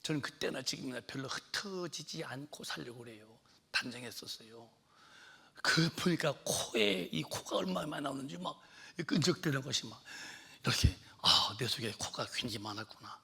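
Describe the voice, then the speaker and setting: A middle-aged man preaching a sermon as pastor, telling childhood stories, acting out shouted quotes and dropping to whispers. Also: mid-range voice, expressive, normal speed, gravelly, slightly rough. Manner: storytelling, acts out shouting mother, drops to whispers.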